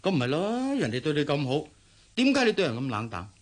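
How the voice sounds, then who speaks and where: A man's voice: fairly high pitch, wildly swooping pitch, fast talker. An actor playing a shrewd, money-minded middle-aged father who lectures his daughter, speaking with a Hong Kong Cantonese accent in a radio drama. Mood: lecturing. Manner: lecturing, scornful.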